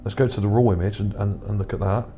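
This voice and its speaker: Low, mellow male video commentator, musing. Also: steady tone, fast talker, soft background music. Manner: musing, tentative, hesitant. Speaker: video narrator presenting own image finds. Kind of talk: casual, unscripted screen commentary. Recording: background noise under the voice.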